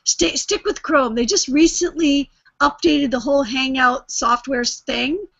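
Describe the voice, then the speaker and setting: A woman's voice: sits high, steady tone, unhurried, creaky, a bit bright, no echo. A woman hosting a live video call, chatting breezily while she talks a guest through tech trouble. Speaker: show host. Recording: dull lo-fi call audio.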